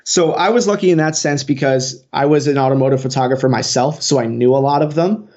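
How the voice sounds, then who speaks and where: A man's voice: medium pitch, fairly quick, a little mellow. A man in his late twenties, a social media marketer, telling his story earnestly as an interview guest. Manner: earnest, fluent with some "you know" fillers. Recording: dull lo-fi sound.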